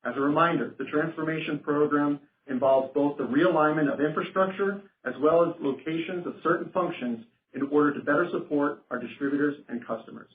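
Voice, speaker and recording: A man's voice: on the high side, a little fast, hardly any pauses. Man on a roomy, phone-like line. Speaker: company finance executive on an earnings call. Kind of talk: formal scripted financial presentation. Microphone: conference phone call.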